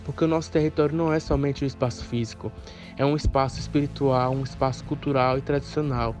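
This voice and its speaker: Interviewee, male, Brazilian, medium pitch, earnest explainer, light music bed. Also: fairly even intonation, fast talker, a little mellow.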